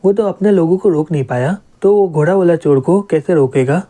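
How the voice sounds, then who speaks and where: A man's voice: a little high, fairly quick, dark tone, natural voice. A man voicing a smug, scheming male noble in a comic recap.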